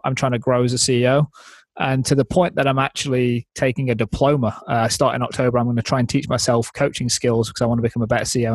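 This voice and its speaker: A man's voice: medium pitch, dry recording. A man in his thirties hosting a casual interview podcast, chatty and eager with his questions. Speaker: podcast host.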